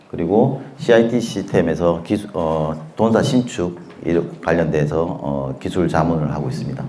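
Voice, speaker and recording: Very deep, low male speech in a strong Gyeongsang accent, lively in intonation at a moderate pace, with audible room echo and noticeable background noise. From South Korea, Gyeongsang region. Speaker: pig farming consultant. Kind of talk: seminar lecture. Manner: frequent filler hesitations.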